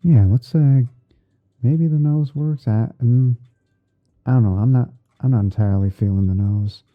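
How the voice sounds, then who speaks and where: A man hosting an ASMR livestream, narrating his editing step by step in an unhurried way, as if murmuring to himself while he works. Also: mid-range voice. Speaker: streamer hosting a roleplay. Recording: muffled phone-like band-limited audio.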